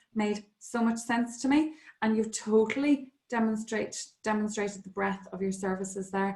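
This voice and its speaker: A woman's somewhat breathy voice, fairly high in pitch. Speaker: sales training coach. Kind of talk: online coaching session. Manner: animated.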